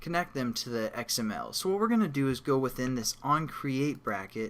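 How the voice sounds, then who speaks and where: A man's medium-pitched voice in a very clean recording with a silent background. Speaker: programming tutorial instructor. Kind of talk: tutorial. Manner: fast; casual.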